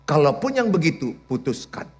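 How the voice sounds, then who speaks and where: A man preaching a sermon as pastor, in an animated, teasing and humorous way. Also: a little high, moderate pace, soft background music. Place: church.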